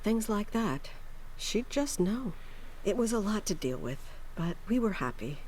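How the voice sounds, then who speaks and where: A woman's voice: mid-range voice, big pitch swings, a little slow, a little mellow, a little hiss or hum. A middle-aged woman playing a tender, wistful foster mother who narrates her memories in a video game cutscene. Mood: reflective, tender.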